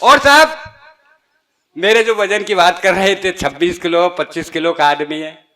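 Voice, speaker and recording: An older man from Rajasthan, telling comic anecdotes in animated style as a stage poet. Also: sits high, measured pace. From Rajasthan, India. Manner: animated storytelling with dialect voices. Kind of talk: stand-up comic poetry anecdote.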